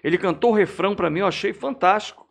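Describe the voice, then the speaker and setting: A man's voice: sits high, quick pace, creaky. A man who plays in the band, chatting casually and agreeing in short remarks. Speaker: band musician guest. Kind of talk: casual chat.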